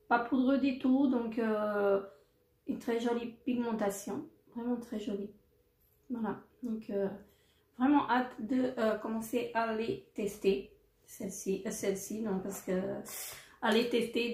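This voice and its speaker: A woman's voice: mid-range voice, a little mellow, echoey room. A woman presenting a makeup haul in a casual, hesitant way, with many fillers and repeated words. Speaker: beauty vlogger.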